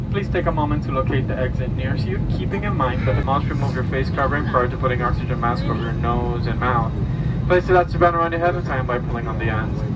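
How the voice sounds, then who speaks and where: Loud background noise is present throughout. A man rushes along at a very fast pace. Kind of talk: safety announcement. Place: plane.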